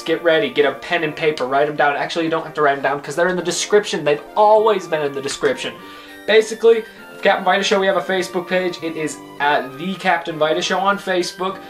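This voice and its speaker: A man in his twenties, the host of his own vlog, answering questions about himself in a joking, rambling way. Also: fairly high pitch. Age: 20s. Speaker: YouTube host. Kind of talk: casual vlog Q&A.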